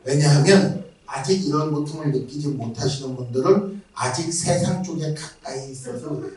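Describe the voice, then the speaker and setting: A man's voice: a little high, normal speed, distant mic. A man preaching a revival sermon as a guest pastor, acting out mocking voices of others. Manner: animated, acts out mocking voices. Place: church sanctuary. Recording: very echoey church from afar.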